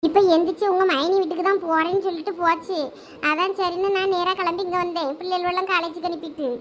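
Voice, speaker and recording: A woman's voice: extremely high pitch, steady tone, fast talker. A woman playing a worried middle-aged village wife telling news to her husband in a village drama.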